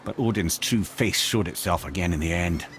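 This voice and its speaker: An actor voicing an eloquent, wry old Scottish sage, telling stories in a theatrical, measured way as a video game character. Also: male voice, deep voice, a bit bright, a little hiss or hum. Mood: regretful, grave. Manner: theatrical, wordy, measured storytelling with wry asides. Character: wry, eloquent old male sage and former royal advisor, storyteller.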